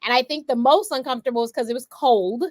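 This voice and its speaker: Animated woman telling a story. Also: a little high, quick pace, no echo, studio quality. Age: 40s. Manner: animated storyteller, acts out her own quotes. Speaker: host. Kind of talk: casual talk show chat.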